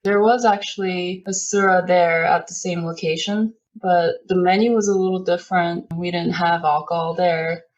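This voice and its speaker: A woman's voice: fairly low pitch, normal speed, hardly any pauses, highs cut off. A woman in her thirties, born in Korea, talking casually as a restaurant owner being interviewed. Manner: relaxed, chatty, laughs now and then.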